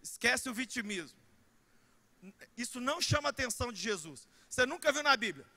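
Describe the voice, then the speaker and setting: High, bright shouting Brazilian pastor. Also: male voice, brisk. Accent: Brazilian Portuguese. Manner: animated, shouting preacher with comic asides. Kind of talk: sermon. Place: church.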